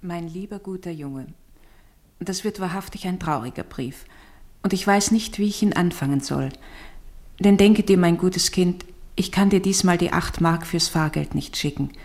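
A low-pitched actress as a mother voicing a letter in a radio drama. She is poor and loving, full of tenderness and sadness toward her child. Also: moderate pace, a little mellow, natural voice. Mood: sorrowful. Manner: tender, sorrowful. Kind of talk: letter read aloud in radio play.

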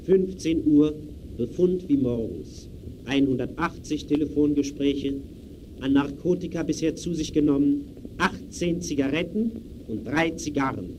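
An actor playing an impersonal official who declaims a case file in clipped phrases, in 1920s radio play style. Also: male voice, on the high side, measured pace, mellow, natural voice. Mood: clinical, insistent. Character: clinical male official reading out a case file. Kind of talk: 1920s German radio play, staccato report. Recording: noisy early radio recording.

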